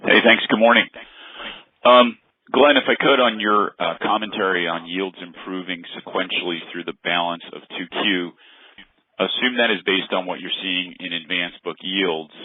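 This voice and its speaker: A man's voice: low voice, fairly even intonation, moderate pace. A man working as a financial analyst, putting unscripted, tentatively phrased questions on an earnings call. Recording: narrow dry phone line.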